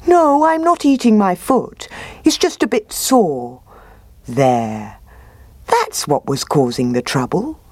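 Woman narrator doing a slow, obliging storybook bear, dry and close. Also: medium pitch, sing-song, a little mellow, no room sound, pitched above the performer's own voice. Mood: cheerful. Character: lazy, good-natured male brown bear.

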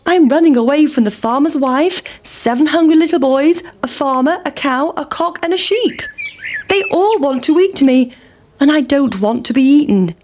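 A woman's voice: high-pitched, expressive, moderate pace, a little mellow, pitched above the performer's own voice. A woman voicing a small, boastful runaway pancake in a children's story.

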